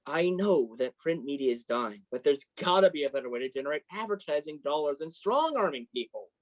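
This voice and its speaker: A woman plays a young male journalist in a contemporary stage play, an encouraging and self-deprecating best friend. The voice sits low for a woman and moves up and down in lively swings. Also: brisk. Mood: sympathetic, encouraging.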